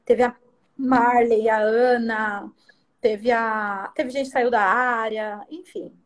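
A woman's voice: on the high side, slow. A middle-aged woman who owns a salon, chatting as an interview guest and animatedly acting out the lines of the people in her stories. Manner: animated storyteller who acts out others' lines. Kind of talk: casual storytelling chat.

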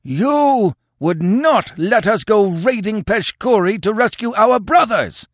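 A man's voice: high voice, expressive, takes it slowly, no room sound, studio quality, pitched above the performer's own voice, heavily acted. A man voicing a gaunt old tribal chief in a storybook, howling furious accusations. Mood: furious, accusing. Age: older.

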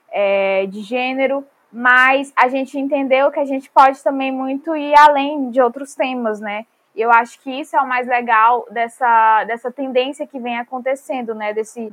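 A woman's voice: a little high, fairly bright tone. A young woman talking casually as a podcast guest, chatty and full of little fillers. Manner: chatty, many fillers like "né" and "sabe".

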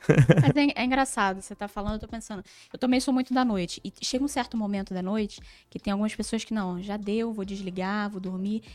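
A woman in a casual chat, talking in an animated, self-deprecating way. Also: mid-range voice, fast talker.

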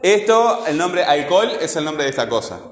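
A man's voice: a little high, very animated, moderate pace, a little hiss or hum. Man, teacher, classroom grammar lesson, long reverb, faint background ambience. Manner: asks questions and answers them himself.

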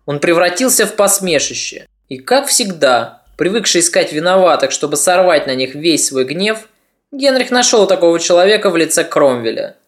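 A podcast narrator reading a scripted history story in a measured, slightly ironic way. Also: medium pitch, expressive.

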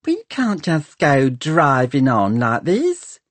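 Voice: medium pitch, wildly swooping pitch, takes it slowly, no room sound, voice pushed up, heavily acted. A man doing a worried muttering servant. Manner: muttering, anxious. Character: worried grumbling household servant.

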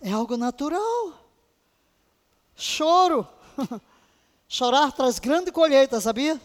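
A woman's voice: high-pitched, animated, slow. Fervent woman teaching, in a reverberant hall. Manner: fervent, emotional, with soft laughs. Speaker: Bible teacher. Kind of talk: teaching on intercession.

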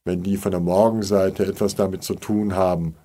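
A man's voice: low voice, little pitch movement, normal speed, dark tone, lightly acted. A man doing a grumpy, dismissive father. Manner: grumbling, gruff.

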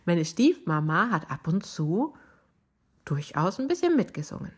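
A middle-aged woman with a raspy, rough-edged voice, hoarse from bronchitis, telling a personal story as a podcast host. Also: fairly low pitch, big pitch swings, unhurried.

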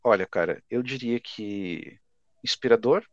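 A man's voice: medium pitch, measured pace, dry recording. Laid-back young man, dry lo-fi sound. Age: 20s. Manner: laid-back, says "cara" often. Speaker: guest artist. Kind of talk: casual podcast chat.

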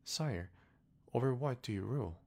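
A man putting on a little boy prince from a storybook, voice pushed well up from his own low register. Timid and earnest, with a faint gravelly grain underneath. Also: lively intonation, moderate pace, a little mellow. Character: small, gentle, curious boy prince. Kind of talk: audiobook character voice.

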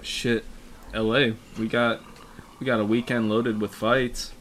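A soft-spoken man hosting a casual podcast chat. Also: mid-range voice, level tone, unhurried, slight background noise. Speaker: podcast host.

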